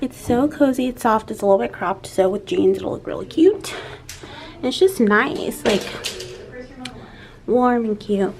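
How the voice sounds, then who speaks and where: A woman's voice: on the high side, expressive, a little slow, pauses often, darkish tone. A woman vlogging in a casual, chatty, informal way, peppering her talk with "like". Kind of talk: casual chat to camera. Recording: clear background noise.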